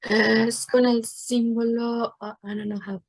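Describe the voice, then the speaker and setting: A woman's voice: a little high, flat delivery, takes it slowly, no echo. A woman answering as a student in an online class, hesitant and searching for words.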